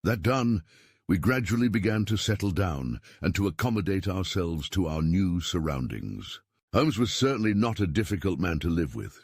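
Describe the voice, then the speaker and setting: Low slightly husky guy reading an old novel aloud, formal and measured, really dry sound. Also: no room sound. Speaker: audiobook narrator. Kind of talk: scripted literary narration.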